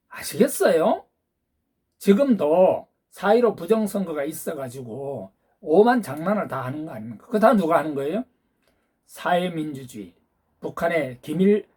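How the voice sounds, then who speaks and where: A man delivers a ranting political monologue to his viewers, scolding them and constantly demanding answers with rhetorical questions. His voice is husky and sits a bit high, leaping up and down with lively, animated pitch. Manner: peppers talk with challenging rhetorical questions; lecturing, hectoring tone toward listeners. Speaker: YouTube channel host.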